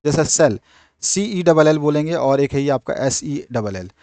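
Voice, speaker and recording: A man gives an exam-prep lesson, explaining in Hindi and slowing right down whenever he reads an English definition. His voice sits a little high for a man. The sound is dry and close, with hardly any room echo. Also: animated, mellow. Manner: repeats filler phrases like "thik hai" and "jo hai". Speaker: teacher.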